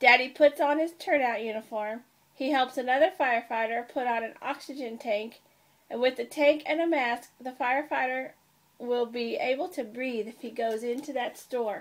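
Her voice is high-pitched for a woman, and she talks at a moderate pace with fairly even intonation. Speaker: preschool teacher. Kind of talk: read-aloud storytelling for children. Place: home room. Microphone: webcam.

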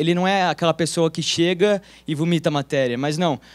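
A man talks at a fairly quick pace, keeping his intonation fairly even. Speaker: student representative; speaker. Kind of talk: presentation to visitors. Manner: hesitant, many fillers. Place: hall. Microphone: handheld.

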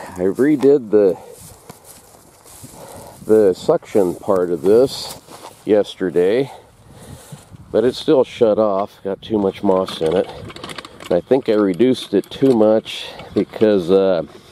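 Speaking very slowly with long, frequent pauses, a man with a fairly low pitch and ordinary pitch variation is heard in a dry space with no echo and light background noise. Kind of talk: casual vlog chat. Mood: relaxed, wry. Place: farm machine. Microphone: phone near.

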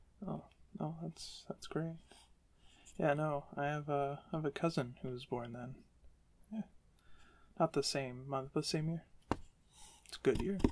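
A somewhat breathy man talks at a fairly slow pace, with ordinary pitch variation and long, frequent pauses. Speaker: plays a recruiter interviewer. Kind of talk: role-play interview questions, casual.

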